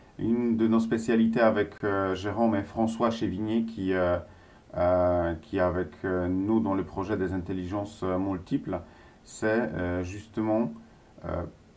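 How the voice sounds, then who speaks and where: Audible room echo surrounds a very slow delivery with fairly even intonation. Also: man, fairly low pitch for a man. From Poland. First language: Polish (speaking French). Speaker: speed-reading coach and brain trainer. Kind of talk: live stream talk. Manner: halting, many fillers.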